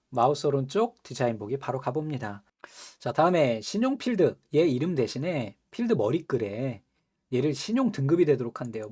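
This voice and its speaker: A young man teaches a computer course in a screen-recorded software tutorial, his medium-pitched voice mellow and warm with plenty of rise and fall. He's chatty with his students, laughs often, and keeps throwing them quick rhetorical questions while keyboard clicks sound in the background.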